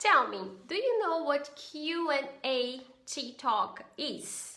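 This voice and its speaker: A woman's raised, projected, high-pitched voice in a Portuguese accent, very slow, with audible room echo. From Brazil. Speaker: English teacher. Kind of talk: live stream Q and A. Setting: Facebook live stream.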